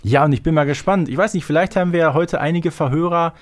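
A man's voice: on the high side, fast. A man co-hosting a podcast, chatting casually about audio dramas. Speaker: podcast co-host.

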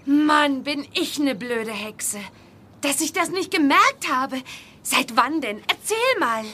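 An actress playing a bold, blunt, excitable teenage witch girl in a children's audio drama, with an emphatic, expressive delivery. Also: sits high, slow pace, exaggerated voice. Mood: surprised, excited.

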